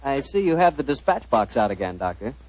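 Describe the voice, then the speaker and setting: A man working as a radio announcer and sponsor pitchman, with a smooth, polished, salesman-like delivery, in a 1940s broadcast. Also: very animated, a little fast, a little mellow, low-quality recording.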